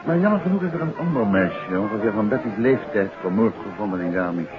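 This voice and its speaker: Guy playing a polite sleuth in an old 50s radio play, very lively voice, casually nosy, music behind him. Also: lowish voice, fast, phone-quality sound, close to an everyday voice. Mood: probing. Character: gentleman detective novelist, courteous, probing, married. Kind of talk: 1950s Dutch radio play acting.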